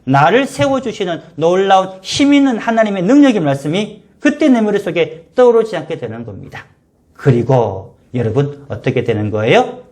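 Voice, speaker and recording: A man's voice: sits high, expressive, normal speed, a little mellow. A male pastor preaching a sermon for a home worship service, earnest and emphatic, building to fervent appeals.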